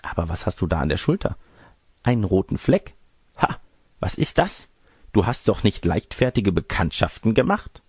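A man's voice: deep voice, sing-song, fairly quick, hardly any pauses, darkish tone, slightly rough, dry recording, studio quality, full character voice. A man voicing a naive, inquisitive young girl in a storybook tale, full of wondering questions and exclamations. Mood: alarmed. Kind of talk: storybook character reading.

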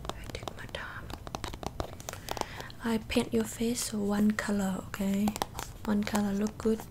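A woman's voice: medium pitch, flat delivery, slow pace, background noise, close to an everyday voice. A young woman in a whispered role-play, voicing a blunt, boastful makeup doctor with a put-on Asian accent and broken English. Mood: focused, repetitive. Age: young adult. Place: small bedroom indoors. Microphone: close desktop microphone with foam cover.

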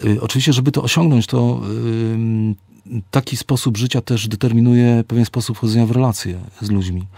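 A middle-aged man, an author and psychologist, giving reflective, measured interview answers and slowing down to stress key words. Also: mid-range voice, fairly even intonation, warm tone, dry recording.

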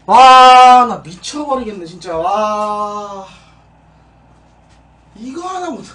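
A man's voice: sits high, lively intonation, extremely slow, pushed and bright. A young man acting as a drill sergeant in a streamed comic military training, giving commands and stern corrections in a small room. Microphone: room mic a few steps away. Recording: distant room mic, music underneath.

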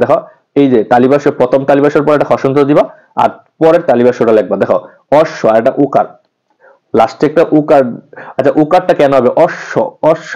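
A man's voice: mid-range voice, mellow. A male teacher hurries through an exam-prep grammar lesson, saying each example word over and over and quizzing the class before answering himself. He tosses English words into his speech, and the recording sounds dull and lo-fi. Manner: repeats example words aloud, asks and answers his own questions; casually mixes in English words.

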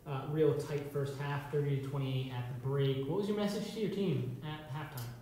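A man asking post-game questions in a measured way, quoting stats. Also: medium pitch, dark tone. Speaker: interviewer. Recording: echoey room, faint hiss.

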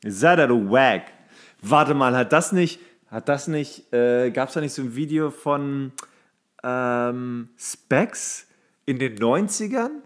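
A male co-host speaks in a medium-pitched voice. He banters casually, riffing on ideas in a loose, rambling and joking way. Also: animated, slow. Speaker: podcast co-host.

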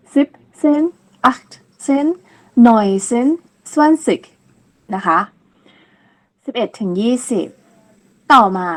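A woman giving a patient counting lesson, repeating each word slowly and clearly and ending phrases politely. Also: fairly high pitch. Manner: polite, ends phrases with soft particles. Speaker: language teacher. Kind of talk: slow step-by-step counting lesson.

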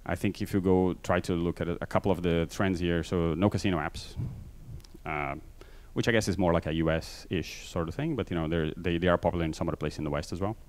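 His voice is low, steady, and a little mellow as he gives a conference talk on a large stage with a handheld mic. The man's Brazilian Portuguese accent is mixed from living in many countries, and his speech runs fast and loose, heavy with fillers and self-deprecating asides.

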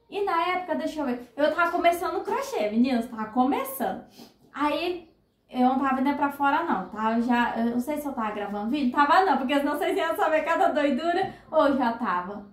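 A woman's voice: sits high, reverberant. A woman in her thirties with a Brazilian Portuguese accent, hosting a crochet channel and telling a personal story in a chatty, emotional way to her viewers.

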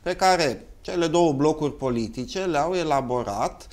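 A man's voice: on the high side, expressive. A man with a Romanian accent hosting a formal political interview, asking polite, probing questions and playing devil's advocate. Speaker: talk show host.

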